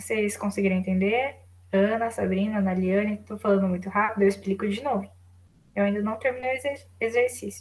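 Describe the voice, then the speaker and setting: A woman's medium-pitched, somewhat breathy voice at a fairly quick pace, with fairly even intonation. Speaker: math teacher. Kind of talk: online lecture.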